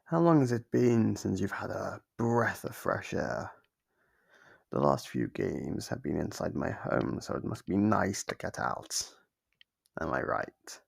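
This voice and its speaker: Man voicing a gravelly, taunting monster captor. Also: on the low side, lively intonation, exaggerated voice. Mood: smug, teasing. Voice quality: gravelly, husky voice. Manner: slow, drawn-out, teasing delivery. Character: sadistic male monster captor, playfully taunting and menacing. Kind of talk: ASMR horror roleplay monologue.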